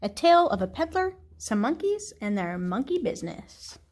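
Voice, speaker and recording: A woman teacher reading a picture book aloud, telling it expressively in measured phrases with pauses and emphasis. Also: fairly high pitch, very animated, darkish tone, slight background noise.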